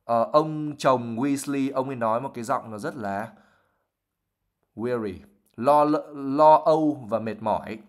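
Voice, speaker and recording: A man's voice: medium pitch, a little slow. A man teaching English vocabulary on a livestream, explaining words patiently with many fillers.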